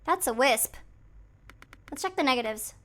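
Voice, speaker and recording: A woman's voice: high-pitched, animated, moderate pace, a bit bright. A woman livestreamer with a cute, girlish anime-like voice, commenting casually and playfully on a game to her chat, sometimes murmuring to herself. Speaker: livestreamer playing a horror game.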